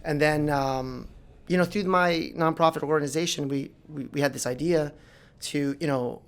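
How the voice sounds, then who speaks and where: A man in his forties from South Florida talks as a guest in a podcast studio. His voice is slightly high with a gravelly edge. He is animated and rambling, full of restarts and fillers. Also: normal speed. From South Florida, United States. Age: 40s. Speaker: guest, plastic surgeon. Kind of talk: casual interview talk.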